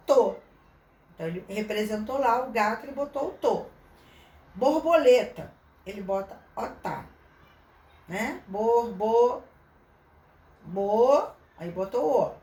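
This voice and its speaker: A woman's voice: on the high side, distant mic. Woman teaching, heard from off-mic. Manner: thinks aloud with many fillers and restarts. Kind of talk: online lesson explaining a handout. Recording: echoey room, voice off-mic, faint noise.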